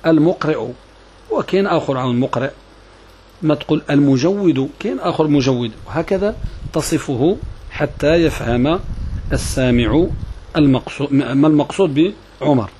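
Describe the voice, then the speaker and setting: A man teaching a grammar lesson to a group of students, explaining slowly and repeating phrases so they can follow, with a touch in his speech. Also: on the high side, lively intonation, mellow, a little hiss or hum. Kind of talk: classroom lesson. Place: prison room with students.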